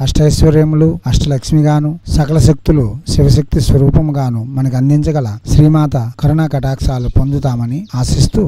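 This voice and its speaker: A man who is a Hindu priest, chanting mantras slowly and then talking earnestly and briskly to his listeners. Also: fairly high pitch, noisy background.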